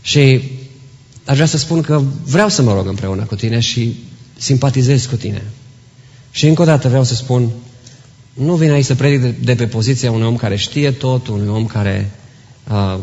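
A man's voice: medium pitch, a little mellow, highs cut off. A man preaching an earnest sermon to a congregation in a church, exhorting and telling stories. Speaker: pastor. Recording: long reverb in church hall.

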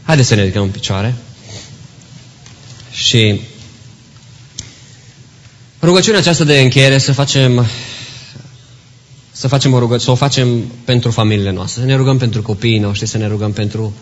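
A man's voice: medium pitch, pauses often. A man preaching an earnest sermon to a congregation in a church, exhorting and telling stories. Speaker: pastor. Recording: long reverb in church hall.

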